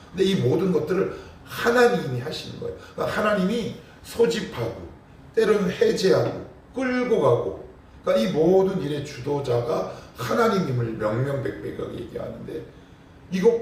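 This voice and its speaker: Pastor guy preaching a morning sermon, lively and dramatic, big echo, sounds far from the mic. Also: mid-range voice, a little hiss or hum. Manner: animated, rhetorical questions, dramatic emphasis. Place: church sanctuary. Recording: echoey church hall, mic at a distance.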